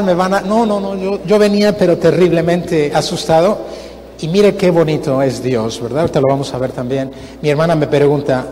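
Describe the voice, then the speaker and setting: A man, a guest missionary, preaching a sermon and telling a story with lively acted-out voices in a church. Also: high voice. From Mexico. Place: church sanctuary. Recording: reverberant church hall, faint noise.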